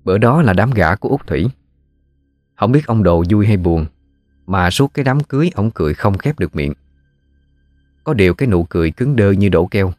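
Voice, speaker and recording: A man with a Southern Vietnamese accent narrating a ghost story in a folksy, unhurried way. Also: lowish voice, expressive, a little mellow, no echo, clean studio sound, faint music behind.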